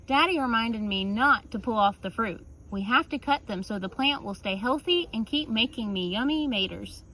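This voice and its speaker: A woman reading a picture book aloud like a teacher, with casual asides and expressive, drawn-out emphasis on key words. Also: on the high side, rough recording. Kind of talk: children's story read-aloud with casual asides.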